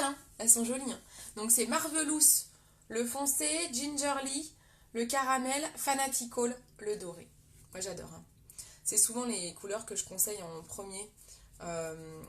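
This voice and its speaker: A woman's voice: a little high, fairly bright tone. A young French woman with a French accent, chatting with viewers as she hosts a live makeup tutorial. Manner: chatty, talks to viewers and reads comments. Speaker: makeup livestream host.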